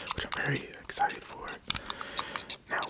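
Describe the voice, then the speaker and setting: A man whispers in a relaxed tone against noticeable background noise. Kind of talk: casual talk to camera. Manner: soft-spoken, whispered, relaxed.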